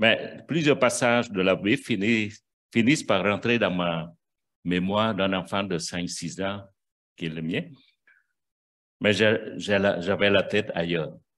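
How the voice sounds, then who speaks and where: On a very clean recording with a silent background, a man speaks at a fairly slow pace and fairly low pitch, with ordinary pitch variation and long, frequent pauses. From southern Vietnam. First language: Vietnamese (speaking French). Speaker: church member. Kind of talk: testimony. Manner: halting.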